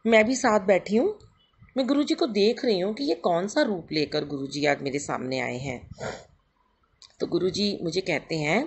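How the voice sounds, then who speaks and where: A woman's voice: lowish voice, expressive, moderate pace, a little hiss or hum. A middle-aged woman giving a devotional satsang talk, telling her story in an earnest, conversational way and addressing her listeners directly. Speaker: satsang speaker.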